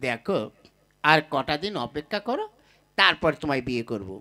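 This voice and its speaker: A man's voice: on the high side, sing-song, normal speed, pushed and bright. A man playing a henpecked, boastful young labourer in love in a Bengali folk puppet comedy, with wheedling, blustering patter.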